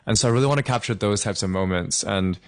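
Upbeat low-voiced young man from Hong Kong. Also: fast. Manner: upbeat, chatty, laughs often. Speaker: singer-songwriter guest. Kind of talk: casual interview over a call.

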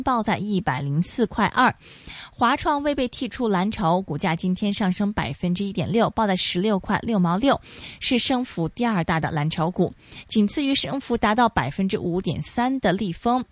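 A woman hosts a finance program from a dry, close radio studio. She reads out stock figures briskly in a middle register, sometimes stumbling and correcting herself. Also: medium pitch, animated, dry recording. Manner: brisk, with small slips and self-corrections. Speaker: radio finance show host. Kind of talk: scripted news reading.

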